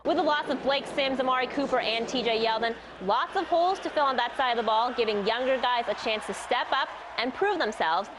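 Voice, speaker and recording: A woman's voice: a little high, fairly quick, few pauses, noisy background. A woman with an American accent reading scripted sports news as a TV anchor.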